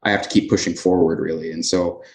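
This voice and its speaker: A man with a North Dakota accent answering questions as an interview guest, casual and a little halting in his phrasing. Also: deep voice, flat delivery. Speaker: interview guest, business owner. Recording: roomy, echoey sound.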